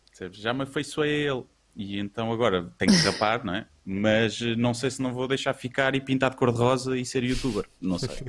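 This is an ordinary speaking voice with ordinary pitch variation, delivered at a moderate pace. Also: man, medium pitch for a man. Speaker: comedian. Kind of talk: casual chat.

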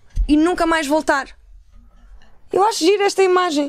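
A woman speaks at a fairly quick pace in an animated tone. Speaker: podcast co-host. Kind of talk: casual chat. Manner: animated, laughing often.

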